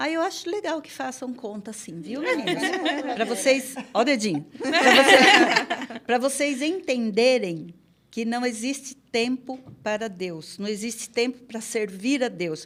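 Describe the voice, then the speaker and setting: An animated woman speaks at a fairly slow pace and a high pitch, her pitch swinging very widely. Her loudness rises and falls sharply over noticeable background noise. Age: 60s. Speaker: church member and ministry volunteer. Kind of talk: casual chat.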